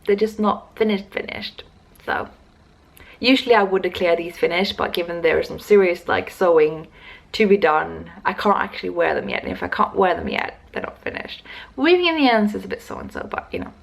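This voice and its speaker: A woman's voice: lowish voice, animated, a little fast, vocal fry. A woman hosting a knitting video podcast, chatting casually at home and wandering off on tangents as she talks. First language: not Swedish. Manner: rambling, digressive, self-interrupting. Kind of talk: casual knitting vlog chat.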